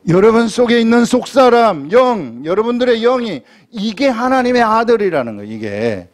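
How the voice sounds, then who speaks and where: A man preaching a sermon from a church pulpit, his voice sitting fairly high for a man. He keeps putting questions to the congregation and slips into pleading prayer voices to act out his points. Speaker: pastor.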